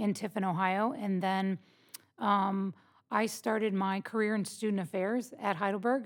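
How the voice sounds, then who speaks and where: A woman's unremarkable speaking voice, medium in pitch and moderate in pace, on a very clean recording with a silent background. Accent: American. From mixed: US and Saudi Arabia, boarding school in Europe. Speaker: university president. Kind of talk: interview.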